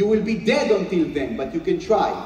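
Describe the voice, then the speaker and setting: Amid noticeable background noise and audible room echo, a man speaks at a high pitch with very wide pitch swings. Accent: non-native. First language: Hebrew. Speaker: SEO expert. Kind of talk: conference talk. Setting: stage with audience. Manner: halting, many fillers.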